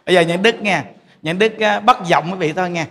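A man's voice: high-pitched, brisk, sharp tone. A man giving a folksy Dharma talk to a temple congregation, coaxing them with questions. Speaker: Buddhist monk teaching. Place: large temple hall with congregation. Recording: long hall reverb, faint noise.

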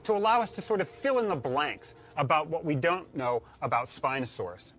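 A man's voice: a little high, expressive, fairly quick, fairly bright tone, slight background noise. A man in his forties explaining as an expert in a documentary interview indoors. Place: indoor lab with monitors.

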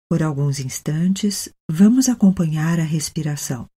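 Brazilian woman, meditation guide. Mellow, husky voice, gentle and unhurried delivery. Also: low voice. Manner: gentle, unhurried, with long pauses. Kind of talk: guided meditation, soothing narration.

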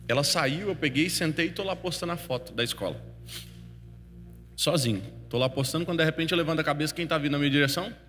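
A man preaching a sermon, telling a story with feeling and swinging from hushed to loud. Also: a little high, fast, slight background noise. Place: church hall. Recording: long hall reverb with faint music.

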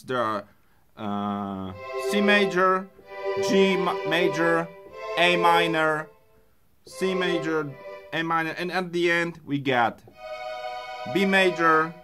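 A man who speaks English as a second language, presenting an unscripted hands-on music gear tutorial in a halting way, thinking aloud. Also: fairly high pitch. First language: not English.

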